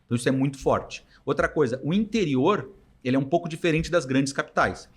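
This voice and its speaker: A man with a southern Brazilian accent and a slightly high voice, talking very quickly. He speaks casually as an interview guest, with slangy, anecdotal phrasing that slips into imagined dialogue. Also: breathy edge. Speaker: podcast guest, startup founder.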